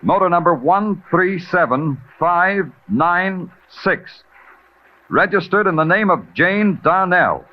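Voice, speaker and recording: An actor playing a hard-boiled police lieutenant who narrates in brooding prose and talks in clipped, dry wisecracks. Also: male voice, high-pitched, lively intonation, takes it slowly, slight background noise. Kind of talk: 1940s radio acting. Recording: muffled old radio recording with music.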